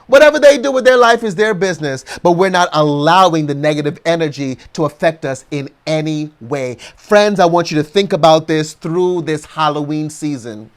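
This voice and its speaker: An American man preaching a motivational sermon, leading the congregation through slow, emphatic affirmations. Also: a little high. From United States.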